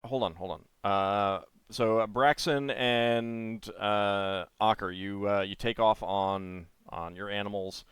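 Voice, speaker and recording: A man running a tabletop game as game master, narrating haltingly with many pauses and restarts. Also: lowish voice, fairly even intonation, clean tone, no room sound. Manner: halting, full of uhs and restarts.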